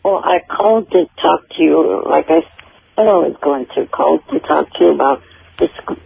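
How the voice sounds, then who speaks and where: Irritable male caller: highish, extremely gravelly fry, blunt and sweary, muffled noisy phone connection. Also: normal speed, no room sound. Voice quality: hard to understand. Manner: blunt, irritable, foul-mouthed. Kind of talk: casual argumentative radio call. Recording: muffled, poor telephone connection with noise.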